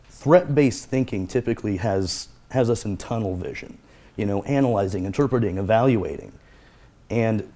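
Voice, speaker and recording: A man's voice: lowish voice, dark tone. A man speaking as a guest therapist, explaining in an earnest conversational way and repeating his key phrases.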